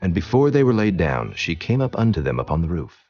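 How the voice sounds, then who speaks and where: A man's voice: low-pitched, very animated, brisk, a little mellow. A man narrating scripture as a scripted reading, solemn and formal. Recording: dull, muffled audio. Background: faint music.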